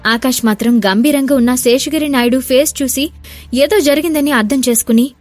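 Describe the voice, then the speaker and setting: High-voiced woman narrating a dramatic audio story. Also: a little fast, dry recording, faint music behind. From Telugu-speaking India. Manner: voices all the characters herself, shouting for the angry ones.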